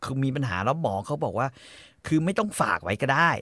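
Brief: male co-host, expressive storyteller, lively pitch and crude talk, dry studio sound. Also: fast talker, no echo. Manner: animated storyteller, swears freely, voices people he quotes. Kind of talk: casual chat.

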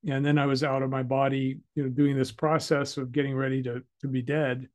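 A man, a guest in an interview, calmly telling a personal story with hesitant fillers. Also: mid-range voice, a little fast. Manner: calm and reflective, with hesitant fillers.

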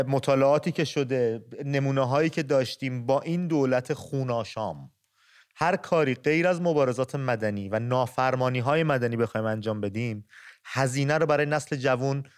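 A man's voice: mid-range voice, smooth. A man hosting a call-in show, thanking callers and addressing them with affection. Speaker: talk show host.

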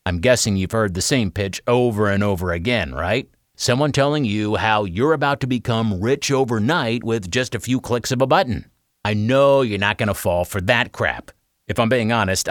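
Male sales-video narrator, lively and expressive, persuasive and conversational, dry close studio sound. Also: fairly low pitch, dry recording. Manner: conversational, persuasive, emphatic rhetorical questions. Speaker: voice-over artist for sales videos. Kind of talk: scripted sales pitch narration, direct address.

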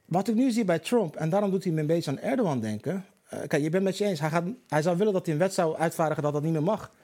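A man's voice: fairly high pitch, animated, quick pace, dark tone. A man who is a guest on a casual podcast, rambling and stumbling over repeated words.

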